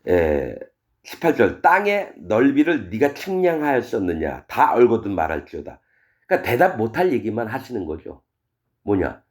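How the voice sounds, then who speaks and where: A male pastor preaching a sermon, reading verses and retelling them in plain, casual speech, full of rhetorical questions. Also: normal speed. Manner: animated, wide swings in pitch and loudness. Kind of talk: expository sermon reading scripture.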